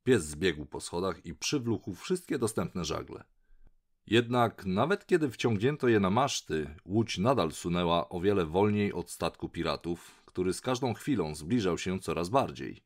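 Lively low-voiced man reading a storybook. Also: unhurried. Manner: animated, voices characters. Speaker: audiobook narrator. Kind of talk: expressive audiobook narration.

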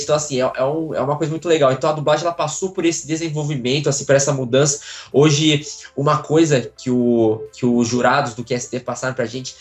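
A Brazilian man in his twenties talking casually as an interview guest on a video call, telling things with frequent tag questions. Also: mid-range voice. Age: 20s. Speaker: interview guest, aspiring voice actor. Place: small room at home, on a video call. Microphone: phone or device mic at some distance, video call.

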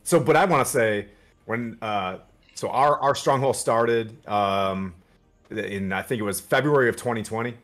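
A man on a headset, a relaxed, self-deprecating guest on a stream. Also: lowish voice, measured pace, soft background music. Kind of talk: casual chat.

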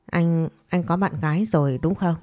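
A clinging young woman pleads insistently and reproachfully, voiced by a woman storyteller. The voice is low and mellow, in a fireside storytelling romance, recorded dry over soft music. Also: moderate pace, dry recording, lightly acted. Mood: pleading.

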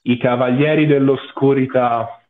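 A man's voice: medium pitch, steady tone, a little slow. A man giving casual live commentary as a panelist on an anime watch-along, often repeating phrases for emphasis. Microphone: video call. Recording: muffled narrow-band video call audio.

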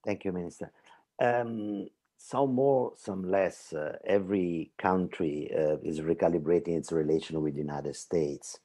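A man's voice: deep voice, a little slow, dark tone, slightly rough, no echo. A man from Italy moderating a dialogue, hesitant and searching for words.

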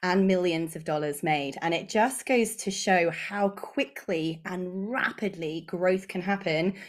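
An enthusiastic English woman in her thirties, a course creator, guests on a casual podcast interview via video call from her home office lined with bookshelves. Her voice is on the low side and unhurried, while her manner is bubbly and full of gestures.

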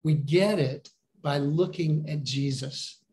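Pastor, male, fairly high voice, earnest and encouraging, preaching on a webcam. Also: takes it slowly, darkish tone. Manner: earnest, encouraging, asks the listeners questions. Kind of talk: sermon over a video call. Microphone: video call webcam.

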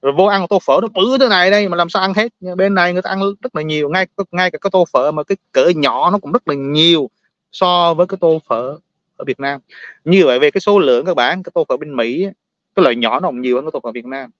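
A man's voice: on the high side, quick pace, fairly bright tone, no echo, dull audio. A man from Vietnam with a Southern Vietnamese accent, talking casually and bluntly to his viewers, ranting, repeating words and laughing often.

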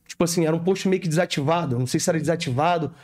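A man's voice: a little high, rapid-fire, darkish tone. A man with a Rio de Janeiro accent, a police corporal telling a story as a podcast guest in slangy street talk, with sound effects. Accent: Rio de Janeiro Portuguese. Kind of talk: casual storytelling.

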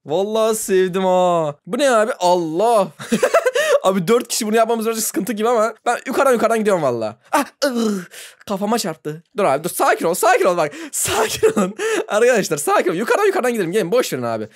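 Excitable young man narrating a game. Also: sits high, quick pace. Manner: excitable, laughs a lot, shrieks when surprised. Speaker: gaming YouTuber. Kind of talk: let's play commentary.

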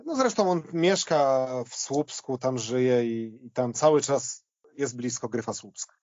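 A man in a conversational sports retrospective, speaking in a halting way as he thinks aloud. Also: medium pitch, expressive, a little mellow, no room sound, muffled recording.

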